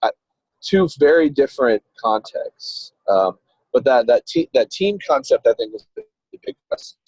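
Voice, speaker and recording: Speaking casually on a car speakerphone as he drives, a ministry coach explains things in a rambling way, restarting often. His mid-range, darkish voice has a breathy edge, swings widely in pitch, and moves at a moderate pace. There's no room sound, and the phone on a video call gives dull, lo-fi call quality.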